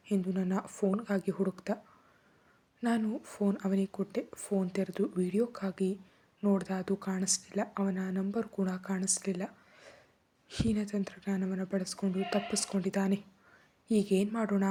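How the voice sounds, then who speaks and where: A woman tells a first-person drama in a hushed, half-whispered way. Her voice is husky and mellow, and her pitch stays fairly flat even in tense moments. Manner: soft, often whispery. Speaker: storyteller. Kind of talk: first-person story narration.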